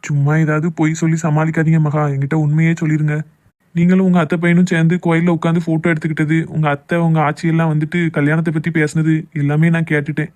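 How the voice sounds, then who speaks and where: Man acting a fast-talking, hurt young Tamil lover. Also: a little high, flat delivery, a little mellow, lightly acted. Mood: hurt, sarcastic. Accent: southern Tamil Nadu Tamil. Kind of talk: amateur cartoon love drama voice acting.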